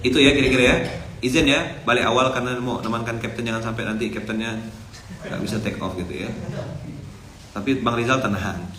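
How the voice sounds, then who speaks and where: A man's voice: medium pitch, fairly even intonation, fairly quick, long pauses, background noise. A man preaching a casual, chatty sermon as an ustadz, telling stories and acting out dialogue. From Indonesia. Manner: chatty, storytelling, acts out dialogue. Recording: echoey room with faint ambience.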